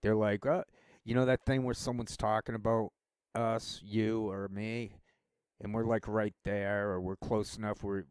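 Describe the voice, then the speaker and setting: A man's voice: lowish voice, little pitch movement, a little slow, darkish tone, clear, resonant tone, no room sound, clean studio sound. A man talking casually to his channel in a rambling, self-deprecating way, often stopping and restarting his sentences. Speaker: channel host.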